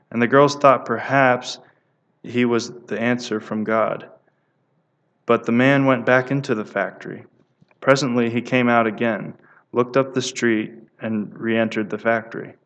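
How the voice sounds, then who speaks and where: A man's voice: medium pitch, dull audio. Man reading devotional stories aloud. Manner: steady reading with small stumbles and restarts. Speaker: speaker giving a devotional talk.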